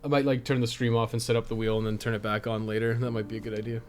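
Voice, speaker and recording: A man's voice: medium pitch, little pitch movement, rapid-fire, a little hiss or hum. A man doing casual live game commentary as a streamer, chatting with viewers in an offhand, rambling way as he thinks aloud. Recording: loud guitar game music behind voice. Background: loud game music with plucked guitar.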